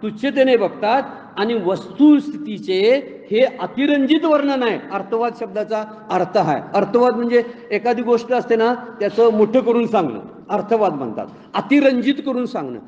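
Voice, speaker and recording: High-voiced man preaching. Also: lively intonation, normal speed, a little mellow. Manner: folksy storytelling with rhetorical questions. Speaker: spiritual discourse speaker. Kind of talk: devotional discourse on scripture. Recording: roomy echoing hall, slightly muffled.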